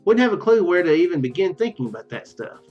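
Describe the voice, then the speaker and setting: Game music plays under muffled audio as this let's play host, his voice slightly high and very lively, rambles through casual commentary. He reads the game's text in a halting way, backtracking to fix his own mistakes.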